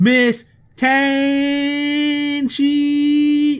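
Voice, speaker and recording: A put-on character voice, high-pitched and monotone, with flat intonation throughout. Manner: stretching the name out slowly, syllable by syllable.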